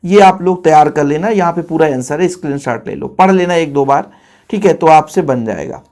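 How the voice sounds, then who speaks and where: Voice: mid-range voice, a little fast, darkish tone. A teacher giving a casual exam-prep grammar lesson. The teacher talks straight to the students and repeats key points for emphasis.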